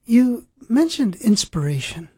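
Slow, mellow-voiced Christian radio host. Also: male voice, extremely high pitch, big pitch swings, slightly rough, dry recording. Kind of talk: scripted radio interview.

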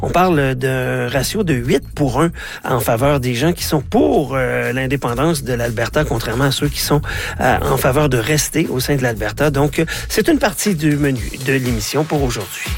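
A man's voice: medium pitch, lively intonation, moderate pace, gravelly. A middle-aged man with a Canadian French accent hosting a radio show, talking with a slight cold and many hesitant fillers. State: has a head cold, coughing a little. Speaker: radio host.

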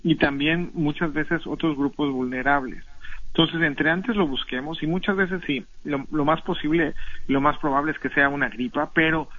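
A man's voice: a little high, moderate pace, breathy edge. A man, a doctor guest patiently explaining health advice on a call-in radio show and repeating words as he goes. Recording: dull lo-fi radio broadcast.

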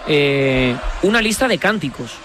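A man's voice: fairly high pitch, expressive, unhurried, a bit bright, slight background noise. A man hosting a sports radio show, bantering with his co-host and steering the conversation. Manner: easygoing, bantering, steers the talk. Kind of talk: casual radio chat.

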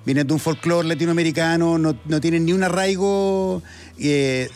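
A man's voice: on the high side, moderate pace, darkish tone. A Chilean man co-hosting a casual radio chat, reflective and hesitant, with many fillers. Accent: Chilean Spanish. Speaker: radio co-host.

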